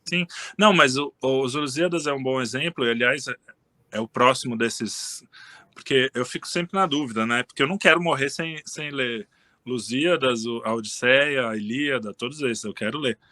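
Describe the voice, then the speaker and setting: A man talks in a relaxed, meandering way, often stopping to restart his sentences. His voice is bright and forward. The sound is dry and close. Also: mid-range voice, normal speed, dry recording. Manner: relaxed, rambling, frequent restarts and fillers. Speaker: interview guest. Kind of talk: casual conversation.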